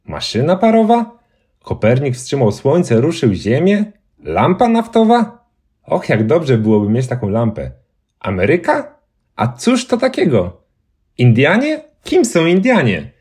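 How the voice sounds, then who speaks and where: Guy doing a high squealy ghost lady from a kids story, bossy and nosy, kinda husky. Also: a little mellow. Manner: high, exclaiming, mock-haughty.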